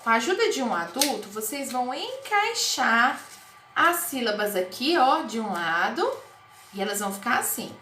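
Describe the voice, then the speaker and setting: A woman with a Brazilian Portuguese accent teaching first graders in a recorded online class, talking slowly in a sing-song, exaggerated way. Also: a little high, sing-song, sharp tone. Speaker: primary school teacher. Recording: echoey room, faint noise.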